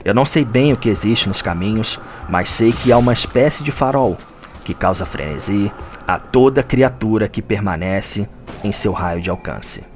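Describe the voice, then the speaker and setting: A man with a Brazilian accent voicing a lore scholar who narrates a dark gothic nightmare in a grave, theatrical audio drama style. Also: on the low side, expressive, normal speed, slight background noise, lightly acted. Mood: solemn, explanatory. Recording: music under the voice. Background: music.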